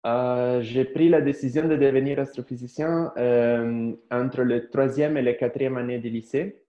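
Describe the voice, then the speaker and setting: A man in his thirties with an Italian accent, an astrophysicist answering interview questions with many pauses, fillers and restarts. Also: medium pitch, fairly even intonation, warm tone. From Italy. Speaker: astrophysicist guest. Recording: echoey, dull lo-fi live stream.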